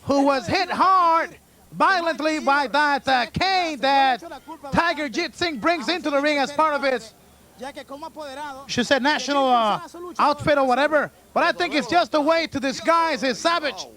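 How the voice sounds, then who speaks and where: A man calling a wrestling match play-by-play as a lucha libre announcer, with an excitable manner. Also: very high-pitched, a little slow.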